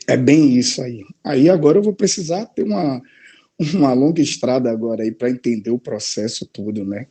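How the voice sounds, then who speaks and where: A man speaks as a guest over a video call. His voice is mellow and relaxed, and he talks hesitantly, often checking in with his listeners. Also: medium pitch, moderate pace, slightly rough. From Salvador, Bahia, Brazil. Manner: hesitant, with frequent "né?" and "certo?". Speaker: guest, real estate broker. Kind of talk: casual live-stream chat.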